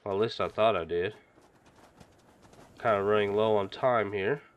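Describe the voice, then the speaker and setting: A man hosting a gaming channel, chatting casually and reacting excitedly as he plays, sniffling from a stuffy nose. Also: fairly low pitch, moderate pace. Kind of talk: casual game commentary.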